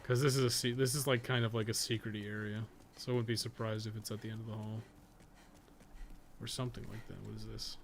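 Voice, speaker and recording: A man co-hosting a podcast talks through a game casually, swearing now and then as he rambles and thinks out loud. His voice is lowish and fast, with clear steady noise in the background.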